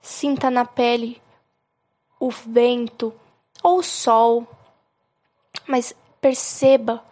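A woman with a Brazilian accent narrating a guided relaxation hypnosis like a sleep story, soothing and unhurried, giving gentle instructions with pauses. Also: a little high, steady tone, no room sound.

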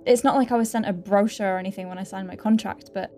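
Actress as nervous newbie lady doctor in a sci-fi audio drama, soft mellow voice, awkward, apologetic, keeps correcting herself. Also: mid-range voice, steady tone, quick pace, faint music behind, close to an everyday voice. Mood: rambling, flustered. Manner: hesitant, rambling, self-correcting. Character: nervous rookie woman doctor dictating letters, awkward, apologetic. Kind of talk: science fiction audio drama acting.

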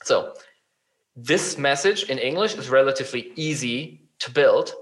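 This man's medium-pitched voice is animated, unhurried and a little bright, though the audio quality is poor. Chatting casually about chatbot design, he illustrates his points with examples and often stumbles over fillers and restarts.

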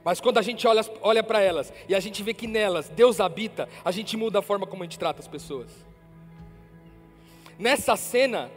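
Brazilian male preacher, very high voice, animated sermon storytelling, long hall reverb. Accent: Brazilian Portuguese. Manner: animated, acts out dialogue. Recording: reverberant hall, faint music.

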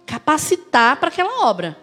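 A woman with a Brazilian Portuguese accent preaching a sermon, full of rhetorical questions and lively personal stories. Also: high-pitched, a little fast, faint music behind.

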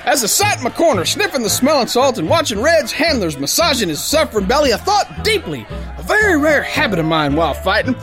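Very high-pitched, brash brawling sailor. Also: male voice. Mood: musing. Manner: folksy uneducated tough-guy diction, boisterous, exclamatory. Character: brash, hot-headed, dim-witted brawling male sailor boxer telling his tale. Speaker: audio drama narrator and lead actor. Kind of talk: theatrical first-person pulp story narration.

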